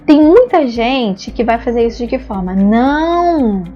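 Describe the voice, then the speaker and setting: With a warm, fairly high voice and lively intonation at normal speed, a Brazilian ABA therapy instructor teaches online. She explains patiently in Brazilian Portuguese, often using "né?" tags and acting out praise and "no" examples. The highs are cut off, and faint music plays behind her.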